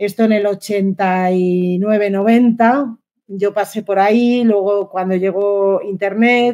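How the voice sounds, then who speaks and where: A woman speaks very slowly in a dark, mellow tone at medium pitch. Her intonation is monotone and flat, and her loudness stays very even. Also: very clean recording, silent background. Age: 60s. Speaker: channel creator and businesswoman. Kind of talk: podcast conversation.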